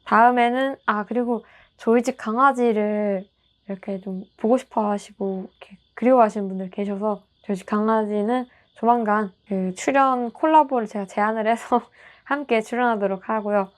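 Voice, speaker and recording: A woman's voice: a little high, moderate pace. A woman casually reading tarot cards for her viewers, chatty and reassuring, sometimes acting out small quoted lines. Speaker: tarot reader.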